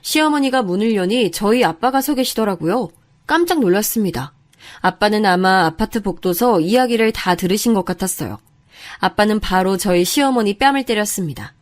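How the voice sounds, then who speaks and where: Woman reading out her life story, calm and confiding, medium pitch. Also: fairly quick. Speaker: narrator. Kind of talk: first-person story narration.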